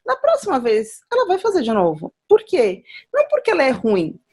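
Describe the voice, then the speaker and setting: A woman speaking as a guest in a conversational talk, reflective and growing animated when she acts out examples. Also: high-pitched, normal speed, husky. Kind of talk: conversational talk on nonviolent communication.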